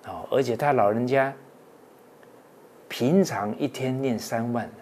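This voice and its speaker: A Buddhist monk gives a dharma talk in a mid-range, darkish voice. He is earnest and exhorting, stretching out many "ah" and "oh" fillers.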